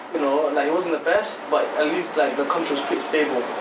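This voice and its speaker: Over noticeable background noise and audible room echo, a man talks at a fairly high pitch in a monotone, flat delivery. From Somalia, raised in the UK from age five. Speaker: refugee sharing life story. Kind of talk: interview. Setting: outdoors near a construction site. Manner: hesitant, many fillers and repetitions.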